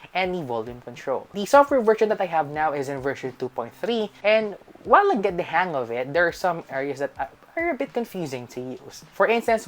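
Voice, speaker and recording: Low-pitched, lively woman reviewing tech. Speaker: tech reviewer and channel host. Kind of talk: scripted product review narration.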